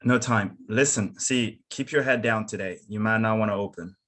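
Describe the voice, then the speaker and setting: A man reading the part of a cautious, protective husband in a drama, measured and understated. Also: on the low side, a bit bright, lightly acted. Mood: guarded. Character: cautious, steady, protective husband and town official. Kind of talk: screenplay table read.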